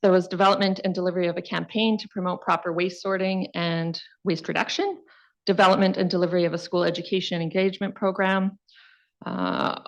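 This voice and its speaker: Canadian woman staff lead, lowish voice, steady report to council with ums. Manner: plain, with frequent fillers. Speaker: city environmental lead. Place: council chamber.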